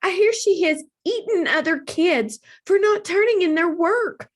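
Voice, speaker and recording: A woman's voice: very high voice, unhurried, voice pushed up. A woman voicing a young girl hippo in a storybook, fretful and dramatic about everything. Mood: worried. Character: anxious young girl hippo dreading preschool.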